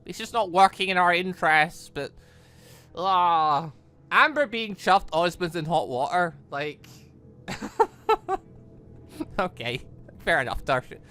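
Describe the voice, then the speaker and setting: A man's voice: high voice, very animated, takes it slowly, pauses often, sharp tone, smooth. A man giving let's play commentary as a gaming channel host, often stammering and breaking off to comment. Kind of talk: let's play commentary, reading visual novel dialogue aloud and reacting.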